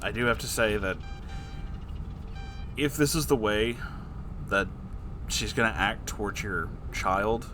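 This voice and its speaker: A YouTube host with a fairly low voice takes his time, pausing often as he gives casual advice in answer to listener questions. He comes across as affectionate, playful and self-deprecating, and music plays behind his off-camera desk recording.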